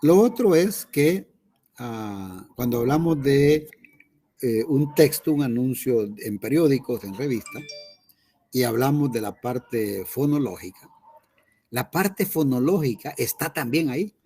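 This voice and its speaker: A man's voice: mid-range voice, animated, a little slow, mellow, breathy edge. A man, a teacher lecturing his class in an online lesson, explaining patiently and often checking in with his students.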